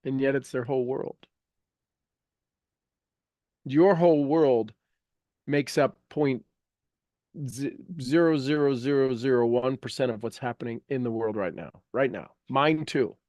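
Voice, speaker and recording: A man's voice: medium pitch, a little slow, long pauses, darkish tone, no room sound. A man hosting an informal motivational group coaching talk, emphatic and fond of repeating phrases for effect. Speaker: host and coach leading a group call.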